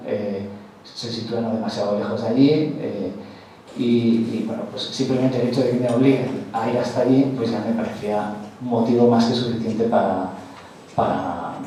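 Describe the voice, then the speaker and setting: A man's voice: mid-range voice, mellow, distant mic. Man speaking in an echoey hall. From Spain. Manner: hesitant, many fillers and restarts. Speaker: composer presenting a festival commission. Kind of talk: public talk at a presentation.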